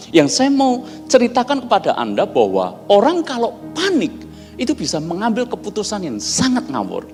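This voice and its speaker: A man preaching a sermon, telling anecdotes and often addressing his listeners directly. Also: sits high. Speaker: pastor. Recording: hall reverb with faint music behind.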